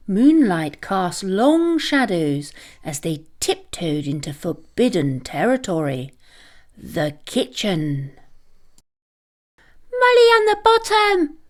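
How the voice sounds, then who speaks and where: A woman reading a scripted children's story aloud as a dramatic, expressive storyteller. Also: medium pitch.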